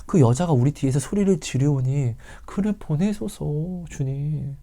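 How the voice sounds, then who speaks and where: A man preaching a sermon in an emotional, dramatic way, swinging from loud calls to hushed whispers and asking the listeners rhetorical questions. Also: fairly high pitch, animated, moderate pace. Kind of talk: sermon and testimony.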